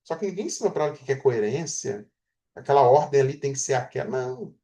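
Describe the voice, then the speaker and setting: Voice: mid-range voice, animated, fast talker, warm tone. A Portuguese teacher giving a grammar lecture, explaining through everyday examples and often checking in with the class.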